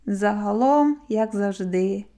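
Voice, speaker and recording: A woman voicing a calm, friendly, sporty forest animal who speaks matter-of-factly. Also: medium pitch, slow pace.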